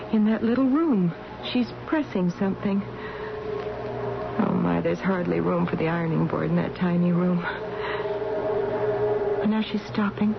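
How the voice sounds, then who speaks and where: A woman's voice: medium pitch, gravelly, very noisy. An actress in a radio drama playing a frail, anguished middle-aged mother in a dreamy, yearning monologue. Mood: wistful, watchful. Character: frail, sick, anguished mother pleading with her own mother. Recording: dull lo-fi radio broadcast, music underneath. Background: music.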